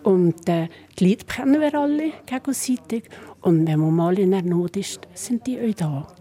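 Woman in her 70s, Upper Valais Swiss German, mellow warm tone, hesitant guest. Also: mid-range voice, expressive, moderate pace, breathy edge. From Upper Valais, Switzerland. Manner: hesitant, repeating words. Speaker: interview guest. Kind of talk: radio interview.

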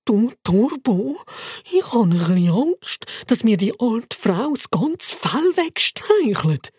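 A woman's voice: high-pitched, very animated, very slow, mellow, breathy edge, dry recording, voice pushed up, full character voice. A woman with a Swiss German accent voicing a grumpy male guinea pig who drags his words out in a dry grumble. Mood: grumbling.

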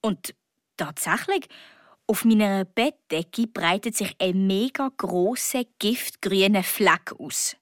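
A woman's voice: slow, no room sound, clean studio sound. Swiss woman reading a kids' story. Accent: Swiss German. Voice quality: lively, with sudden high outbursts. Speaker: narrator. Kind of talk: children's story reading in a girl's first-person voice.

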